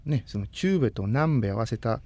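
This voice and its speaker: Here a thirty-something man from Costa Rica, whose first language is Spanish, chats as an interview guest in a casual setting. His mid-range voice has a darkish tone and sounds animated, with no echo. He stays polite and measured, frequently stopping to find his words.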